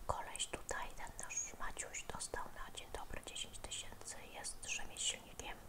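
Whispering woman, ASMR gaming. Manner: unhurried, casual thinking aloud. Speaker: host of a relaxing gaming channel. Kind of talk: whispered ASMR game commentary.

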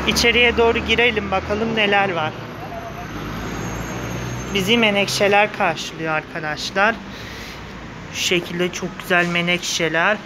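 A man speaking through a face mask, slightly muffled, giving an enthusiastic, gushing casual vlog commentary to viewers. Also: high-pitched. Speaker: vlogger. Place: outdoors on a street pavement outside a flower shop. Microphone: handheld phone behind the camera. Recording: street noise with passing cars. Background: cars, outdoor urban ambience.

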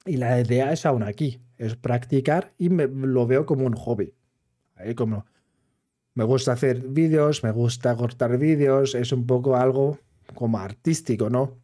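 Mellow-voiced Swiss man vlogging. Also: medium pitch. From Switzerland. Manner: careful, halting Spanish of a non-native speaker. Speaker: gaming video creator. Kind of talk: casual talk to camera.

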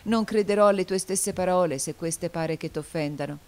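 A woman's voice: on the low side, moderate pace, darkish tone, lightly acted. A woman voicing a young woman, an anxious and devoted lover, in an audiobook reading, pleading and often rising toward anguished cries. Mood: tearful.

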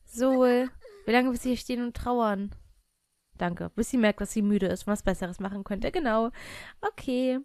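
A woman's voice: fairly high pitch, a little mellow, no room sound. Chatty young woman commenting on gameplay. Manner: chatty, bossing her game characters around, quick exclamations. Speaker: let's player.

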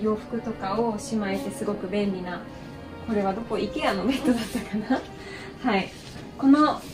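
Young female vlogger, casual room-tour chat, handheld camera up close, music playing underneath. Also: fairly high pitch. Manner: chatty, mixes in English phrases, many fillers. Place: small bedroom apartment indoors.

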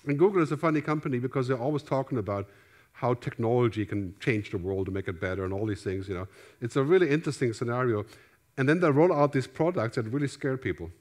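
A man's voice: medium pitch, fast talker. A middle-aged man with a German accent speaks from a big theater stage through a headset mic. His keynote is loose and conversational, and he keeps checking in with the audience by asking "right?". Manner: conversational, gestures widely, asks "right?" often. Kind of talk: conference keynote talk.

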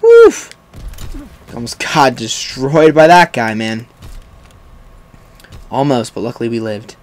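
A young man hosting a gaming video with casual, excitable live commentary and chatty asides to viewers. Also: mid-range voice, unhurried. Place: indoors, voice-over on game footage.

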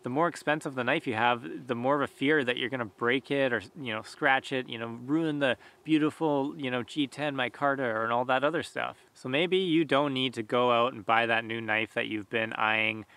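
A man in his thirties, a bushcraft channel host, talking casually to camera outdoors in a forest, relaxed and conversational with plenty of fillers. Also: medium pitch, normal speed, few pauses. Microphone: camera at close range.

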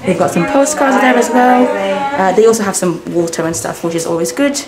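A travel vlogger in her thirties, a native Persian speaker, films herself on a handheld camera while giving an upbeat, chatty tour through a hotel's lobby and halls. She talks a little fast over a noisy crowd, her pitch rising and falling lively, and the handheld audio is noisy.

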